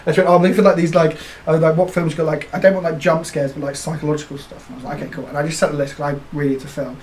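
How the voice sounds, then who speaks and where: A man co-hosting a comedy podcast, telling quick, laughing stories and cutting himself off mid-sentence. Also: on the high side, flat delivery, darkish tone, slight background noise. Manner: quick, laughing, self-interrupting storyteller. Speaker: podcast co-host. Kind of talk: casual comedy chat.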